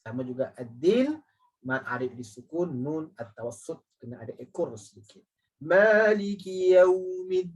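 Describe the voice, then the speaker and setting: A man teaching Quran recitation, drilling each phrase slowly and correcting mistakes as he repeats it. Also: mid-range voice, animated, husky. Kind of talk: tajwid lesson, correcting recitation. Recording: voice distant from the mic.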